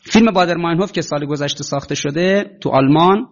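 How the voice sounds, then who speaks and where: A man giving an impassioned political lecture to students, full of rhetorical questions and acted-out quotes. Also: a little high. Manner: emphatic, rhetorical questions, acts out quoted officials. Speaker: speaker addressing students. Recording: dull lo-fi recording.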